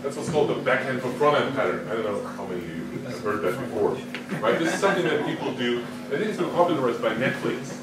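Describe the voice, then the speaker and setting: A conference speaker talks from a distance with no microphone, his voice echoing around a large hall under heavy noise. He sounds questioning and lively, keeps restarting sentences, and talks quickly in a mid-range voice.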